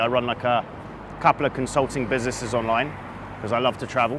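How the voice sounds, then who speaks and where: The speech races along at a very fast pace, delivered in a flat monotone. Background noise is noticeable throughout. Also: man. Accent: British. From London, England. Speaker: dating coach. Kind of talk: street conversation recorded in clip.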